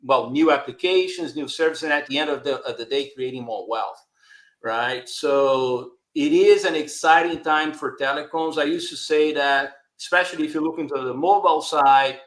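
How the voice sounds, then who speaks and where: A man's voice: on the high side, normal speed, fairly bright tone. A man from Brazil with a Brazilian accent, answering interview questions conversationally and hesitantly, often tagging his phrases. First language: Portuguese. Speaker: interview guest, telecom marketing director. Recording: echoey room sound.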